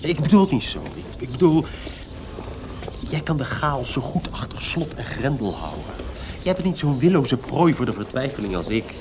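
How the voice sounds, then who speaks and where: An actor playing a fragile, self-pitying young poet in a Dutch radio drama, with a plaintive and halting delivery. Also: male voice, mid-range voice, very animated, natural voice. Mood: self-doubting. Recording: radio play with noisy background ambience.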